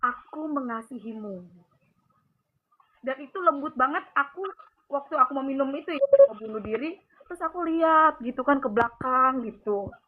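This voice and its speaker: A woman's voice: high-pitched, expressive, a little fast. A woman calling in to give a rambling personal testimony, with many fillers. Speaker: caller giving a testimony. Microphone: phone call. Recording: tinny phone line with faint noise.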